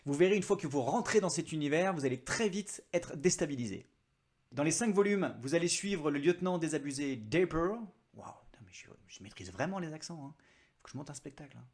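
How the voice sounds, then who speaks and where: A man's voice: fairly high pitch, expressive, fairly quick. A man hosting his own book review vlog, chatty and joking at his own expense. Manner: chatty, self-mocking asides. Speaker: book vlogger.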